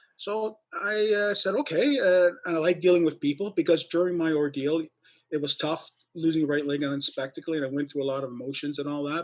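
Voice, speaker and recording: A man talking at a fairly quick pace, ordinary pitch variation, quiet background. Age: 60s. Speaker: insurance advisor. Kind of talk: coaching session. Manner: halting.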